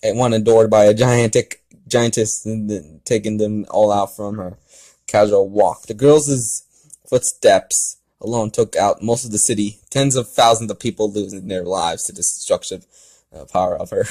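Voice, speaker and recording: A man doing an amateur read-aloud of a story with casual side comments, in a halting way that stumbles over words. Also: fairly low pitch, mellow. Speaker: fan fiction reader and commentator.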